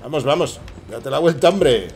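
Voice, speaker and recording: A man with a Spanish accent giving excitable, swearing live commentary while playing and chatting to viewers. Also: mid-range voice, normal speed, creaky, soft background music. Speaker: gaming streamer. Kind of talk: casual live gameplay commentary.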